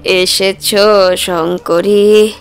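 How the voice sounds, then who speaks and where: A woman playing an eerie ghostly widow, the imperious and expectant mistress of a haunted house in an animated horror story. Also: mid-range voice, drawn-out words, faint music behind. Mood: eerie surprise.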